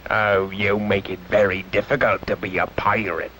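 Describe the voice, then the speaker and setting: An actor playing a gruff, scheming pirate captain in a 1960s cartoon, with a growling pirate manner. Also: male voice, fairly low pitch, flat delivery, moderate pace, pushed and bright, a little hiss or hum, low-quality recording. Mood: threatening. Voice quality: gravelly, growling. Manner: blustering pirate talk.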